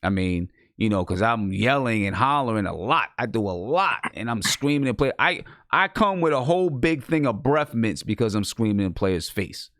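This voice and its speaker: A man in his thirties hosts a casual basketball talk show, pressing his points by saying them twice. His voice sits a little low and the sound is dry and close, right up on a studio microphone. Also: expressive, normal speed, hardly any pauses, a bit bright, dry recording. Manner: emphatic, repeats himself, laid-back sign-off. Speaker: podcast host and high school basketball coach. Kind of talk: casual postgame chat.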